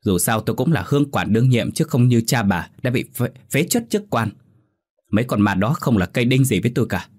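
A man's voice: medium pitch, animated, fairly quick, a little mellow, breathy edge. A man voicing an arrogant middle-aged village official who bosses people around in a spoken ghost story. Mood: haughty. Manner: blustering, bossy.

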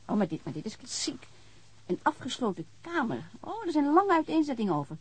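An actress playing a lively, eager lover of detective novels in a radio drama, chatty and excitable. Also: female voice, sits high, fairly quick, breathy edge, exaggerated voice. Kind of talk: naturalistic Dutch radio drama acting.

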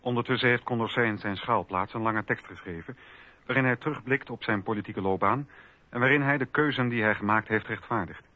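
A man narrating a historical radio drama from a script in a measured, factual way. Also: medium pitch, dry recording. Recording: slightly dull radio recording.

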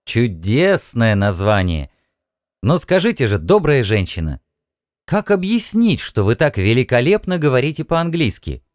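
A man's voice: medium pitch, wildly swooping pitch, measured pace, dry recording, studio quality. A man playing an overconfident spaceship captain who talks in a hearty, pushy way, in an audiobook reading.

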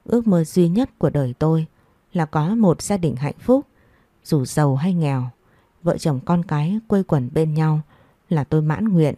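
A woman telling a sorrowful first-person story in measured scripted narration. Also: deep voice, animated, mellow, no room sound.

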